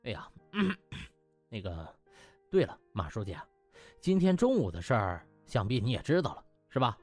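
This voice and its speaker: A man voicing a cunning young hospital inspector in an audiobook, hesitant, mock-solemn and flattering. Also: mid-range voice, moderate pace, faint music behind. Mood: mock-humble. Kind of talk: audiobook character acting.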